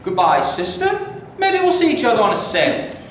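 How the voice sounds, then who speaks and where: A man's voice: high voice, wildly swooping pitch, moderate pace. A man playing a brusque, condescending white actor in a staged reading before a live audience, in a very echoey room with faint noise. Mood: dismissive. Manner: curt, condescending.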